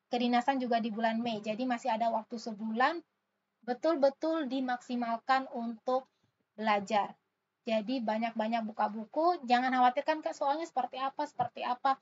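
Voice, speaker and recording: A woman's voice: on the high side, dull audio, a little hiss or hum. A woman tutor works through letter-series test questions step by step, spelling out each letter and giving encouraging study advice. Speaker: online test-prep tutor.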